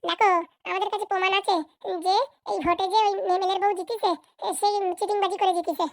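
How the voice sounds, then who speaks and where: A woman's voice: very high voice, level tone, fast talker, no echo, studio quality. A woman voicing a bossy, impatient female politician in a comedy cartoon, curt and insistent.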